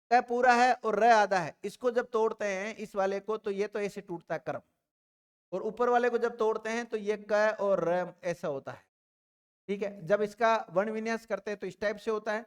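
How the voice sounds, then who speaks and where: A man's voice: high voice, smooth, long reverb tail. A male teacher giving a grammar lesson, speaking straight to his students and answering his own questions. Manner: addresses students directly, repeats questions and answers them.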